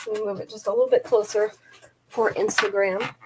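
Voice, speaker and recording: A woman's voice: mid-range voice, fairly even intonation, fairly quick, noisy background. A woman with a stuffy nose, chatting through a live jewelry sale and describing each piece in careful detail to a close-by camera. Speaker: online jewelry seller.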